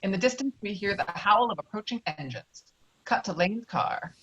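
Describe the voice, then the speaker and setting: A woman's voice: medium pitch, animated, normal speed, fairly bright tone, muffled recording. A woman reading out stage directions as scripted narration of a screenplay.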